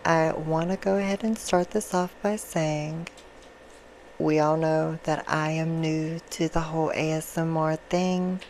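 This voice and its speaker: A woman's voice: low-pitched, steady tone, measured pace, darkish tone, low-quality recording. A woman who makes ASMR videos, talking casually and directly to her viewers in an introduction. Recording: clear background noise.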